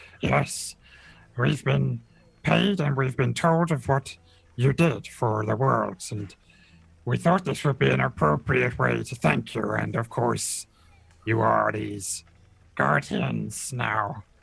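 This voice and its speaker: Putting on a gruff character voice, a man with a fairly low pitch speaks at a fairly slow pace with long, frequent pauses. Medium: actual play. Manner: gruff, blunt, authoritative.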